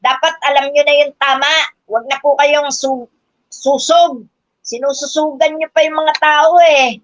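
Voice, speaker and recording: An older woman with a high voice and fairly even intonation is livestreaming a combative, mocking political rant at an unhurried pace. She curses often, laughs, and addresses her viewers as brothers and sisters. The stream audio is dull and lo-fi, with no echo.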